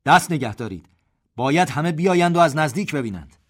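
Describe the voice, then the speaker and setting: A man voicing a proud, white-haired army general who gives orders in a raised, loud voice. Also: mid-range voice, voice pushed up, close to an everyday voice. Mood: commanding.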